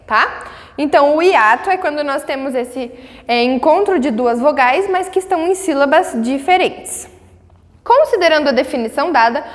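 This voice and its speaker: A Brazilian woman teaching a grammar lesson, patiently checking in with her students and sounding out words slowly syllable by syllable. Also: high-pitched, big-room sound. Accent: Brazilian Portuguese. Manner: patient, checks in often with tags.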